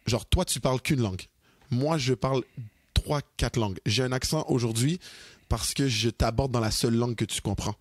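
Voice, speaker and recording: A young man with a Québécois French accent, co-hosting a podcast in casual, animated chat, mixing in English and slang. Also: medium pitch, dry recording, clean studio sound. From Quebec, Canada. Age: young adult. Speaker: podcast co-host.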